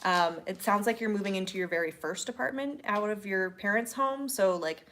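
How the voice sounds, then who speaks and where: A woman's voice: medium pitch, moderate pace, a bit bright, slight background noise. A woman co-hosting a casual, slightly tipsy question-and-answer stream, chatty and playful with lots of fillers. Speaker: podcast co-host answering listener questions.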